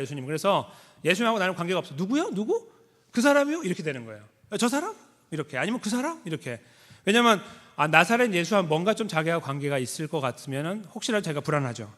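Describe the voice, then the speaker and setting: A man preaching a sermon as pastor, acting out quoted lines with sudden jumps up in pitch. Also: fairly bright tone. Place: church sanctuary. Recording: long hall reverb, church sanctuary.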